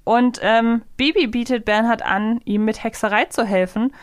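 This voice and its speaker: A woman's voice: fairly high pitch, normal speed, clean tone, no echo, clean studio sound. A woman co-hosting a podcast in casual review chat, analytical and thinking aloud as she goes. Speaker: podcast co-host. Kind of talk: casual review chat about audio dramas.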